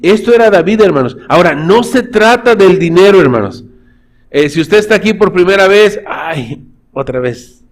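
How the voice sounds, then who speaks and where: A pastor preaches a sermon in church, his high voice animated and moderately paced. He tells stories and addresses the congregation as brothers.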